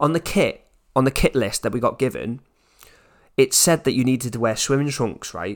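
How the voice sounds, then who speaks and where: A man with an English accent, his speech broken by long, frequent pauses. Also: medium pitch for a man, ordinary pitch variation, moderate pace. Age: 30s. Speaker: personal trainer. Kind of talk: solo podcast monologue. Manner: halting.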